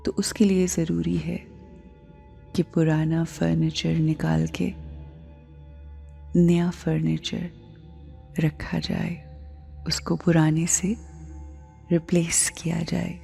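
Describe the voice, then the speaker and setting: A woman with a South Asian accent guides a meditation in a low-leaning, mellow voice. She speaks softly and with measured care, her phrases fading toward a whisper. Music plays behind her. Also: level tone. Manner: measured, hushed, with phrases trailing into breathy near-whisper. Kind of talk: slow, soft Islamic guided meditation. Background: music bed.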